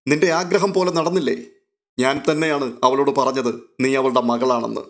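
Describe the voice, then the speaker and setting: Spoken novel: a calm, reflective middle-aged father, read by a male narrator, quiet and measured. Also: medium pitch, close to an everyday voice. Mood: consoling.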